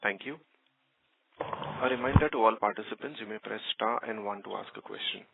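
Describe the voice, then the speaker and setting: A man's voice: on the low side, a little fast, a little hiss or hum. A man moderating an earnings call as operator, reading scripted prompts. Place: telephone conference call. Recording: narrowband, husky-sounding phone line.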